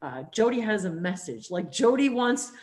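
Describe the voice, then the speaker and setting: A woman hosting a spiritual interview, talking in a rambling, animated way with plenty of fillers. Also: mid-range voice, normal speed. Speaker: host. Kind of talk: casual spiritual interview chat.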